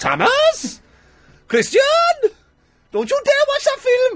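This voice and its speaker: It is a put-on character voice, female-sounding, with a Welsh accent as part of the act. The pace is fairly slow. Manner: scolding, stern.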